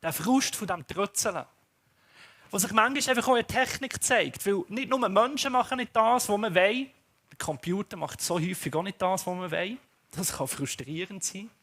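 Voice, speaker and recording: Man, swiss accent, pastor, sermon, animated storytelling, high voice. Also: normal speed. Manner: animated storytelling, acts out characters.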